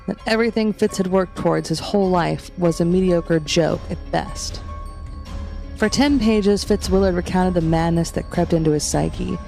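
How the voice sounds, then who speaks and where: A woman narrating a scripted first-person horror story in a measured, literary storytelling manner. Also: on the low side, creaky, darkish tone. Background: background music.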